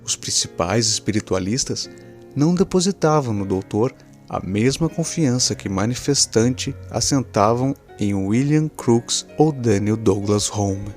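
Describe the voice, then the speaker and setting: A man's voice: lowish voice, expressive, a little slow, darkish tone, faint music behind. A man with a Brazilian accent reading a scripted horror story as its narrator.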